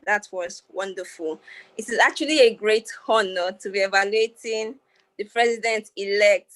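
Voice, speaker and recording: A woman evaluates a speech with measured praise. Her voice sits in a middle range. The sound is dry and close. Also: mid-range voice, fairly bright tone, no echo.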